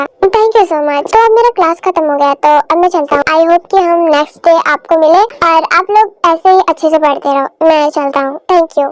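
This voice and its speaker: Someone performs a put-on character voice at a fairly quick pace. Music plays in the background. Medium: fan dub. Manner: calm, assured.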